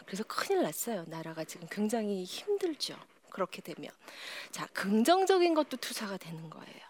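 Animated woman lecturer. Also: medium pitch, fairly quick, slight background noise. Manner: animated, often drops to a whisper. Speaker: psychology lecturer. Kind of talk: lively lecture with audience exercises. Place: lecture hall with live audience.

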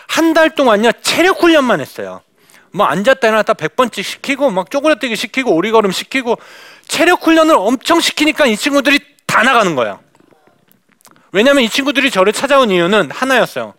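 Speaking straight to a church crowd, a woman missionary shares her testimony and performs the conversations she recalls. The voice has a medium pitch, captured at studio quality without echo.

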